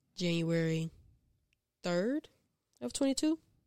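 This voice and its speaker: A woman with a normal speaking voice and an American accent, at a moderate pace, her sound dry and close with no echo. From Columbia, South Carolina. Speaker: junior army soldier. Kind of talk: casual interview.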